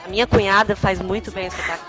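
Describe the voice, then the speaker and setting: A woman's voice: medium pitch, quick pace, music in the background. A woman from Santa Catarina with a coastal Santa Catarina Brazilian accent, telling stories in casual chat and acting out the voices she quotes. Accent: coastal Santa Catarina Brazilian Portuguese. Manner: animated storyteller, acts out quoted voices.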